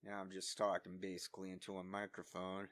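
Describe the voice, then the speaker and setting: A man with a low, monotone, slightly bright voice talks briskly to himself on a solo vlog, with no echo and a studio-quality microphone. His voice is scratchy from singing, and he rambles unscripted between singing attempts, self-deprecating and thinking aloud.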